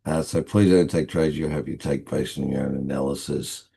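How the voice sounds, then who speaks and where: An Australian man with a hoarse, croaky voice, hosting a live trading session in a relaxed, rambling way. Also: a bass voice, brisk. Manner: relaxed, rambling with many fillers. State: hoarse after being ill. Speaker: forex trading host.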